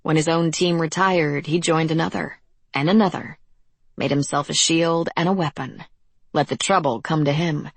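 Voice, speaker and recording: A woman narrating an audiobook in measured, dramatic scripted narration. Her voice is low and husky, and the recording is dry and close. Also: steady tone, no echo.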